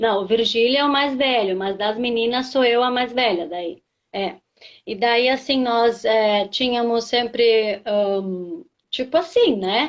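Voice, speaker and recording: A woman speaks very slowly, her fairly high voice showing ordinary pitch variation. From southern Brazil, Rio Grande do Sul (Harmonia). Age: 40s. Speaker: teacher and mother sharing faith testimony. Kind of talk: testimony.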